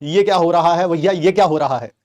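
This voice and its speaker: A man's voice: a little high, fairly quick, darkish tone. A middle-aged man from Delhi, a teacher telling a comic personal story to his class with exaggerated flair and rhetorical questions. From Delhi, India.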